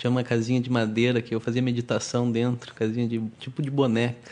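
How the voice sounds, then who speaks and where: A man at a fairly quick pace, his voice medium in pitch. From Brazil, Curitiba. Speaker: Vedanta student and institute staff member. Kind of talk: personal testimony. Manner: halting, with repetitions.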